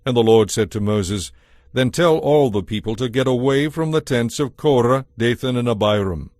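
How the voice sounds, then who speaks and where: Dry-sounding male scripture narrator, mid-pitched. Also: moderate pace, a little mellow, dry recording.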